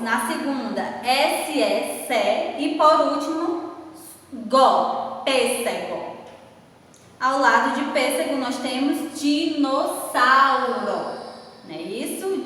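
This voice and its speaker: A Brazilian Portuguese-accented woman teacher going over a workbook lesson, speaking slowly and clearly and spelling out syllables letter by letter. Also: sits high, a bit bright. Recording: echoey room, far from the mic, faint hiss.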